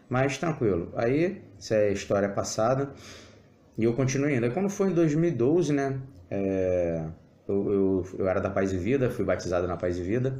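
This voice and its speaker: Speaking at a fairly slow pace, the man has a dark, mellow tone and very wide pitch swings. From Brazil. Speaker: youtuber. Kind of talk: personal testimony vlog. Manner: halting, many fillers. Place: home room. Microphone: phone near.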